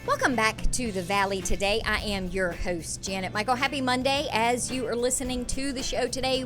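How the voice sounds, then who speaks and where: A woman hosting a radio show, chatting in a bubbly way and laughing often. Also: fairly high pitch. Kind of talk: casual chat.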